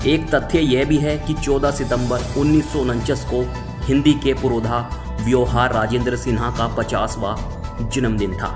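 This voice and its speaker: Guy presenting a tv show, formal and measured, middle pitch, music playing clearly behind. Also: steady tone. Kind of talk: formal broadcast introduction. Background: clear background music.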